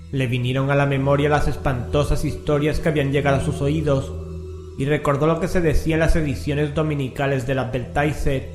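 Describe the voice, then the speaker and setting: A man's voice: on the high side, darkish tone. A man narrating a scripted horror story in a solemn, dramatic manner. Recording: echoing, music underneath.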